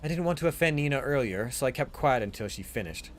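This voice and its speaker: A man's voice: medium pitch, lively intonation, fast talker, slight background noise, pitched above the performer's own voice, close to an everyday voice. A man voicing a talkative, teasing male sidekick to a detective in a visual novel, in a conversational way. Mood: grave, confiding.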